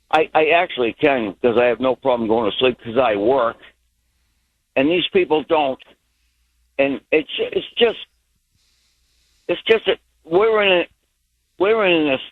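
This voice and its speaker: A man's voice: on the high side, no room sound. A man calling in to a talk radio show over the phone, speaking with passion and often restarting his sentences. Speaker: caller. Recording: tinny phone line.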